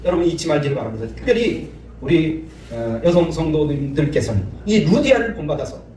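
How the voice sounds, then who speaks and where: A man with a high voice preaches to his congregation, spinning homespun stories and acting out the characters in them. His words echo through a large church hall. He sounds distant from the microphone, with a faint hiss underneath. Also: sing-song, brisk, warm tone. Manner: folksy storytelling, acts out dialogue, repeats phrases. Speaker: pastor. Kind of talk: sermon with storytelling. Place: church sanctuary. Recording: echoey hall from far off, faint noise.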